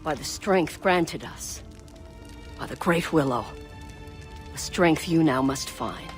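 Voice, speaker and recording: A stern elder tribal woman from a dramatic video game. She guides with solemn, deliberate authority and urgency. Music plays faintly behind her. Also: sits low, expressive. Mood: grave. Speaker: game character giving guidance.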